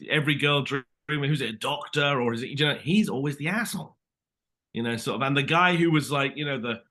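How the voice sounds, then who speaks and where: A British man in his thirties, an actor guest telling lively stories in a casual interview chat and acting out the quotes. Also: a little high. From Britain. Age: 30s. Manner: animated storyteller, acts out quotes.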